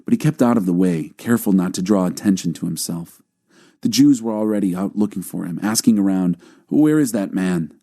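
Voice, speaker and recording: Very dark-voiced male scripture narrator. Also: low voice, a little fast. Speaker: audiobook narrator.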